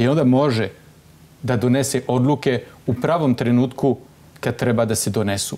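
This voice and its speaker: Pausing often and at length, a man with a dark, mellow tone keeps a moderate pace and fairly even intonation. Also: very even loudness. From France. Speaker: humanitarian and election candidate; election candidate. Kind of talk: TV interview. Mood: earnest, persuasive. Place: studio. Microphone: lapel.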